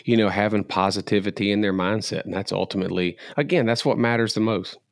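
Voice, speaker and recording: A man's voice: on the low side, quick pace, no echo, studio quality. A middle-aged man co-hosting a podcast who tells stories in an earnest, reflective way. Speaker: podcast co-host. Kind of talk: casual podcast conversation.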